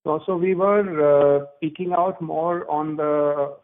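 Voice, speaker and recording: A man's voice: a little high, steady tone, slow pace. Businessman on a muffled phone line. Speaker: company executive answering analysts. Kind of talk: earnings call question and answer. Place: conference phone call.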